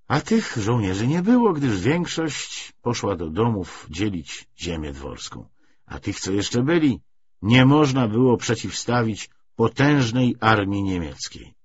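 Husky guy reading an audiobook, really animated intonation, bit dull lo-fi sound. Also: on the low side, unhurried. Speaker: audiobook narrator. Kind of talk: scripted literary narration, reading a historical novel aloud.

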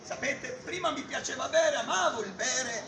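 A middle-aged man preaching loudly on a busy town street, declaiming and gesturing, filmed from a distance by a camera. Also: extremely high pitch, lively intonation, moderate pace, creaky. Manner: loud, declaiming, gesturing with a Bible. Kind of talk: open-air street preaching. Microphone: far camera. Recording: echoey street with crowd noise. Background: crowd and passers-by.

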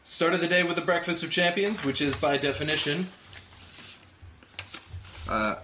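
Man as cocky high-voiced cartoon space captain. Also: unhurried, sharp tone. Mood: breezy, pompous. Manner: breezy, self-important. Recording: roomy table read, faint noise.

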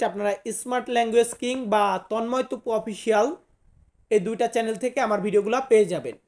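Lady going through vocab words one by one, repeats each twice, kinda high voice. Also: a little mellow. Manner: repeats each word and its meaning slowly, spells some out. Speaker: language teacher. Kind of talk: vocabulary lesson to camera.

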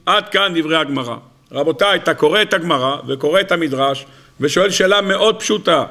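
A man, a rabbi, teaching a Torah lesson to an audience, firing rhetorical questions in a teasing, animated way. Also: fairly high pitch.

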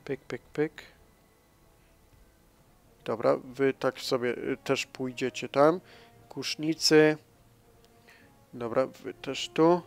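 A man commentating his own strategy gameplay, thinking aloud, addressing viewers and swinging between soft mumbling and sudden loud exclamations. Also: mid-range voice, fairly even intonation, slow, gravelly, pauses often, soft background music. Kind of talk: casual let's-play commentary.

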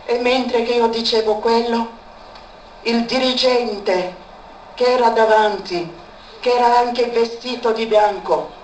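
Slow-speaking woman giving an echoey testimony. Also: a little high, steady tone, a little mellow. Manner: repeats words for emphasis. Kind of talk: emotional spoken testimony. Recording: echoey room, far from mic, faint background noise.

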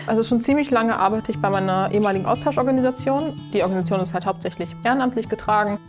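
A woman's voice: medium pitch, very fast. A woman in her early twenties explaining things in a matter-of-fact way during an interview. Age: 20s. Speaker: scholarship holder. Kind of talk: interview answers. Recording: guitar music underneath.

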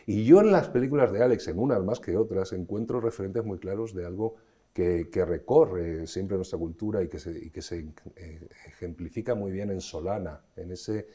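This middle-aged man from Spain is an actor being interviewed in a conversational setting. His voice is low and dark, his speed normal, and his storytelling expansive, full of restarts.

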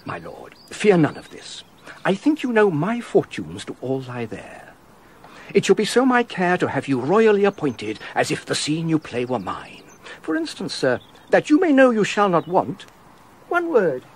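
Loyal earnest courtier for a radio play; animated, measured delivery. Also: male voice, fairly high pitch, husky, exaggerated voice. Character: loyal older male courtier and counsellor, earnest. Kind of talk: classic radio drama acting.

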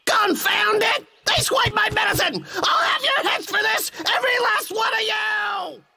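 A man's voice: extremely high pitch, very animated, slow pace, gravelly, full character voice. A man voicing a blustering, put-upon middle-aged logger villain in a cartoon, dramatic and whiny. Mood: furious. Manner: blustering, dramatic shouting and whining. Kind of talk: cartoon dubbing. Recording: loud cartoon music behind the voice.

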